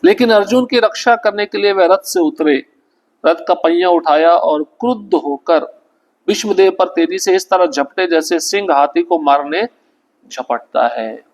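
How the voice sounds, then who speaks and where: A man leading a devotional scripture class, retelling the story and chanting Sanskrit verses slowly. He often asks the class a question and then answers it himself. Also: sits high, poor audio.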